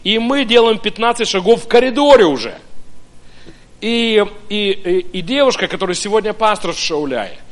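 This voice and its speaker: A pastor from Ukraine preaching a sermon, telling his own story in an animated way with many hesitant fillers. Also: on the high side. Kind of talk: sermon with personal testimony.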